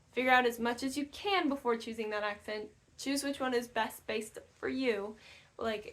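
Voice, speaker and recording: Young woman, higher-pitched voice, chatty language-learning vlogger at home. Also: a bit bright. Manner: chatty, with many fillers and restarts. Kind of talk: casual talk to camera. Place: new house, room not yet decorated.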